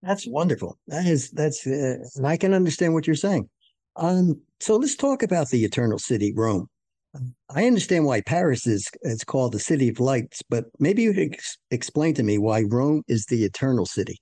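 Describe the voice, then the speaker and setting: A man hosting an interview, asking friendly, halting questions. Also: mid-range voice, sing-song, dark tone, no echo. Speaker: interview host. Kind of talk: interview, conversational.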